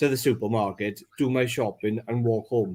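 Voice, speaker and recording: Fairly quick speech from a man with an English accent. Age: 30s. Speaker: live stream chat participant. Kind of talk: casual chat.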